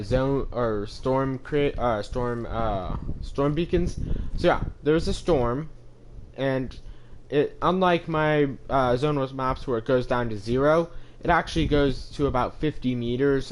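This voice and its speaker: A young man speaking through a voice changer that deepens his voice, giving a rambling, casual voice-over of his game map and often stopping to correct himself. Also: a little hiss or hum. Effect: voice changer lowering the pitch.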